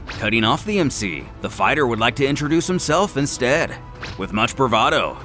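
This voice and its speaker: A man's voice: mid-range voice, sharp tone. A man delivering dramatic scripted narration in a theatrical, emphatic way, as the narrator of a fan story recap.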